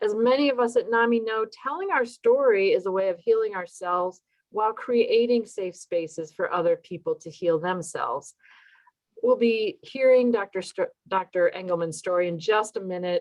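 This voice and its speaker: Here is an unremarkable speaking voice from a woman with a fairly high pitch. She keeps a moderate pace with ordinary pitch variation. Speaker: talk show host. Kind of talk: hosted interview show. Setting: video call.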